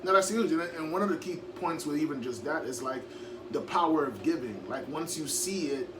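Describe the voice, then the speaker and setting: An energetic man hosting a casual interview, chatty and upbeat, often saying "like" and "yo". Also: on the high side, a little fast. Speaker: motivational speaker and interviewer. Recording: distant mic with noise and hum.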